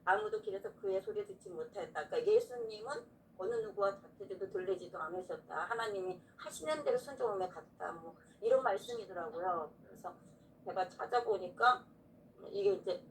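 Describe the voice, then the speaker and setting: A woman's voice: mid-range voice, very animated, brisk. A woman pastor telling an earnest, emotional personal testimony in a casual faith conversation. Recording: distant mic with faint background noise.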